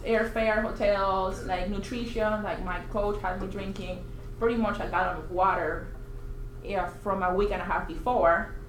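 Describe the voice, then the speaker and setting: A woman's voice: medium pitch, moderate pace. Chatty woman telling a story in an echoey room. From Puerto Rico. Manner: chatty, animated retelling with quoted asides. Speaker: interviewed agent. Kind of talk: storytelling at a team meeting. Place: office meeting room. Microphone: far room camera. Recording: echoey room, faint hiss.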